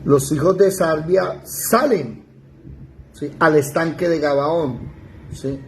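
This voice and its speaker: Unhurried high-voiced man teaching. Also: slight background noise. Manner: explains verses in casual paraphrase, corrects pronunciation. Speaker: Bible teacher. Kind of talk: live Bible study lesson.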